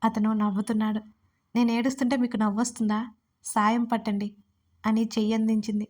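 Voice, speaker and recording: A woman's voice: a little high, flat delivery, fairly quick, a little mellow. A woman narrating a romantic story and reading both lovers' lines herself. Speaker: writer and narrator.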